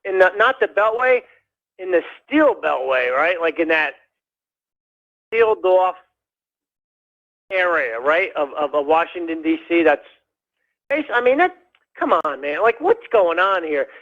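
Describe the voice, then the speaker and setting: Man calling a radio show, high voice, rambling, halting, dull lo-fi phone sound. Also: big pitch swings, fairly bright tone. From United States. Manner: rambling, halting, many fillers and restarts. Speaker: caller. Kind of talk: rambling call-in chat.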